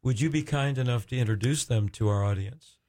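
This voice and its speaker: A man hosting a Christian talk radio interview, speaking effusively but haltingly as he searches for his words. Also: mid-range voice, a little mellow. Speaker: radio show host.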